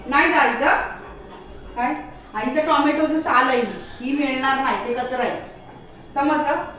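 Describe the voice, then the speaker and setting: Home vlogger, woman, high voice, chatty and bossy with her pet, recorded from across a boomy kitchen. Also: measured pace. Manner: alternately coaxing and scolding her dog in a lively, chatty way. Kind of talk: casual home vlog talking to her dog. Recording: very echoey room, voice from a distance, faint noise.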